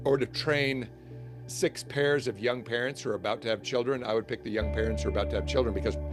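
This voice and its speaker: A middle-aged man, a guest author and church trainer, giving enthusiastic explanatory answers and often restarting his sentences. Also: mid-range voice. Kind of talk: interview answers.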